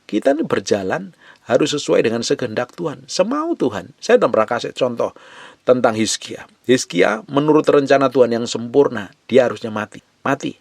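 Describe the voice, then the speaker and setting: Impassioned pastor preaching up close. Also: male voice, medium pitch, big pitch swings, fairly quick, gravelly, dry recording. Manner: swings from loud urgent exhortation to soft hushed pleading. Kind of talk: sermon.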